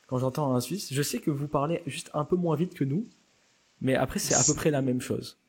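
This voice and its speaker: A man from France hosting a podcast for French learners, chatting casually and warmly with fillers. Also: mid-range voice, moderate pace, breathy edge. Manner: friendly, fillers and repeated words. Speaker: podcast host.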